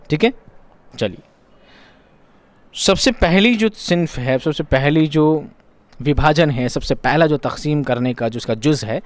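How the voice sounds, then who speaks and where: A man's voice: medium pitch, dry recording. A man teaching an exam-prep lesson, asking questions and answering them himself, repeating key terms for emphasis.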